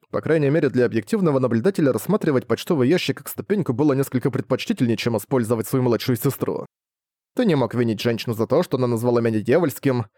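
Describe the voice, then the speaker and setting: A man reading a novel aloud in a measured, even first-person narration. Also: mid-range voice, dry recording, studio quality. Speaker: audiobook narrator.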